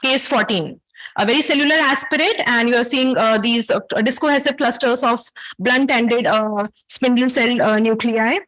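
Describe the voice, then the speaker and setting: A woman with a South Asian accent speaks in a high voice as she teaches. She lectures through cases in a didactic, academic way and turns to her listeners with questions. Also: moderate pace, fairly bright tone, rough recording. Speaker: medical lecturer. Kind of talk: interactive academic case-based lecture.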